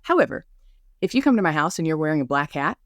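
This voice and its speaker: A woman's voice: deep voice, big pitch swings, fast, no room sound. Chatty woman podcaster, rambling asides, slight trouble with R's, dry close sound. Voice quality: mild speech impediment with some R sounds. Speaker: podcast host. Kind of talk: casual rambling monologue.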